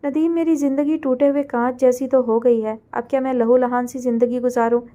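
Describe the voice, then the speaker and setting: A heartbroken young woman, tearful and full of reproach, pleading with the man who left her, as a woman narrator voices her. Her voice sits high and soft, with a mellow, unhurried tone, like a character in a read-aloud romance novel. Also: little pitch movement, close to an everyday voice.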